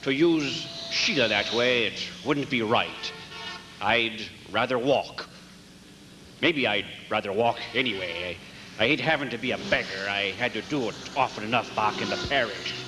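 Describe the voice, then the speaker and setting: A man's voice: fairly low pitch, normal speed, background noise, lightly acted. A man playing a mild, bewildered Catholic priest, hesitant and apologetic, in a comic radio drama. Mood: fretful, earnest. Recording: music behind live radio play.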